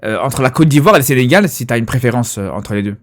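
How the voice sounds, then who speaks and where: A young man hosting a casual live stream, chatting with a guest and reading out viewer questions, often trailing off into a quiet murmur. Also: mid-range voice, lively intonation, fast talker. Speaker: streamer host.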